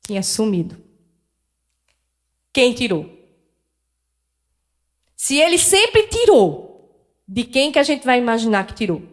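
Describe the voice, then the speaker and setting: A woman's voice: a little high, very animated, takes it slowly, pauses often. A middle-aged woman, telling a personal story as a lecturer at a spiritist center, candid and self-deprecating, acting out dialogue with shifting voices. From Northeast Brazil.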